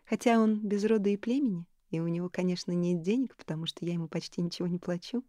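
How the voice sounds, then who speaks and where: A woman voicing a reserved young woman in her twenties in an audiobook, quiet, calm and a little weary. Her tone is low and mellow, recorded dry and close. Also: quick pace, no room sound, lightly acted.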